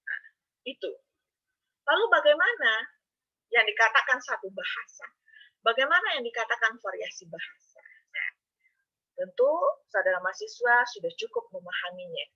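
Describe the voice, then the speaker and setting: Woman lecturer, bright voice, talks students through it step by step, slightly muffled recording. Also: a little high, very animated, moderate pace, long pauses, slightly rough. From Indonesia. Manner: explains step by step, addresses students directly. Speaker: university lecturer. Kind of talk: online lecture.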